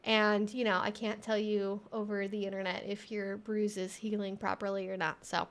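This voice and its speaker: A woman's voice: medium pitch, little pitch movement, normal speed. A young woman hosting a livestream, chatting in an informal, rambling way as she answers viewer comments. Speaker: livestream host.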